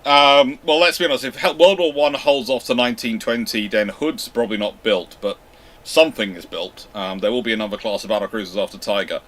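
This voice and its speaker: A man's voice: mid-range voice, a little fast, a bit bright. A man hosting a live naval history Q&A, reading out viewer questions and answering them off the cuff with frequent ums and restarts. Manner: hesitant, many fillers and restarts. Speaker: naval history channel host.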